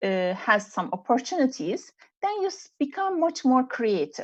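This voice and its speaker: With a Turkish accent, a woman speaks at a high pitch and a moderate pace. Her pitch swings very widely against a quiet background. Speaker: business leader and speaker. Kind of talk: online summit talk. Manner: halting, many filler sounds.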